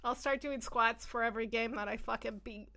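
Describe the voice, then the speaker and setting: A young woman co-hosting a gaming podcast, chatting casually with a playful, profane, excitable manner. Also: a little high, brisk. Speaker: podcast co-host. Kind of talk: casual chat.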